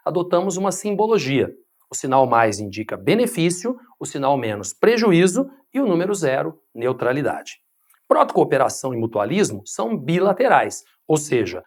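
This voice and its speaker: A woman narrating a scripted biology lesson in a measured way. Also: low voice. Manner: measured, lively intonation. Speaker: biology teacher.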